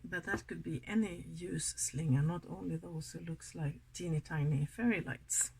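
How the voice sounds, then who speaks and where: A woman from Sweden with a Swedish accent, chatting softly and giggling through a makeup tutorial, sometimes dropping to a whisper. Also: lowish voice, moderate pace, a little hiss or hum, low-quality recording. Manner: soft-spoken, giggly, often drops to a whisper. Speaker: makeup vlogger. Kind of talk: casual makeup tutorial chat.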